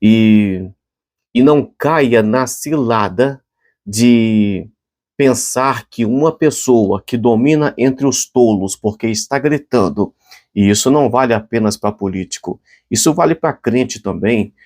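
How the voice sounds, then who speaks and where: A man's voice: mid-range voice, measured pace, a little mellow. A man with a Brazilian Portuguese accent preaching a short devotional sermon and closing in prayer, speaking earnestly and conversationally with frequent restarts and fillers.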